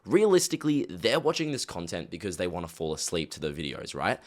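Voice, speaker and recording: A man's voice: sits low, big pitch swings, a little fast. A man giving a casual screen-recorded tutorial, talking in a chatty, direct way with lots of fillers. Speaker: YouTube automation coach.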